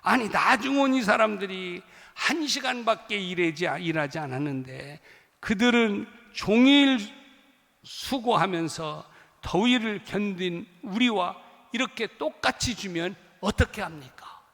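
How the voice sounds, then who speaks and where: A man voicing an angry day laborer who shouts complaints, with a long hall reverb. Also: high-pitched, expressive, unhurried, vocal fry, heavily acted. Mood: indignant shouting.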